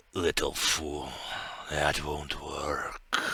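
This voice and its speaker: A man's put-on character voice, growling and very deep in pitch. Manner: menacing.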